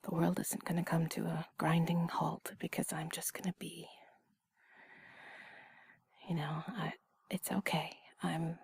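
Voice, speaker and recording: Lady doing cozy whispered role-play, lowish n creaky, soothing, right up close. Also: flat delivery, a little mellow. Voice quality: breathy, husky. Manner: soothing, intimate, unhurried conversational musing. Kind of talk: intimate comfort audio, soft ASMR whispered role-play. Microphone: close microphone, dry sound.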